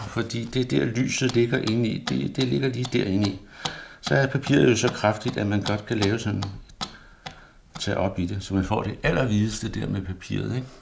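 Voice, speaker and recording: A man's voice: mid-range voice, gravelly, slight background noise. A man who is an artist, thinking aloud as he demonstrates a pastel drawing, rambling and often murmuring to himself. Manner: rambling, self-murmuring, often drops to a near mutter.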